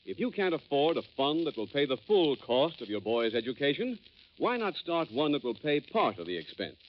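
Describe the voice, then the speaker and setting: A man's voice: a little high, moderate pace, a little hiss or hum. Man announcing on an old broadcast disc. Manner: emphatic, lively announcer delivery. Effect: old broadcast disc recording. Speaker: radio announcer. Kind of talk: 1940s radio announcing. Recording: dull old broadcast transcription. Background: music.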